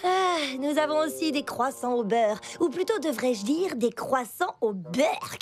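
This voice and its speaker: Snippy, high-voiced cartoon cook. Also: female voice, expressive, unhurried, faint music behind. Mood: boastful. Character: snippy, boastful young female cook, competitive twin sister. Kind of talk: French cartoon dubbing.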